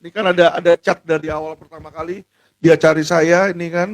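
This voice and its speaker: A man, a lawyer speaking out in an impassioned monologue, indignant and at times shouting. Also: a little high, flat delivery, a little fast, dry recording. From Indonesia. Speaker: lawyer speaking out on legal injustice.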